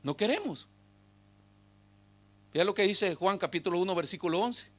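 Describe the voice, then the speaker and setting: A man preaching a sermon as pastor, swinging between loud exhortation and hushed asides to the congregation. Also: high voice, lively intonation, moderate pace. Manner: speaks directly to the congregation with rhetorical questions.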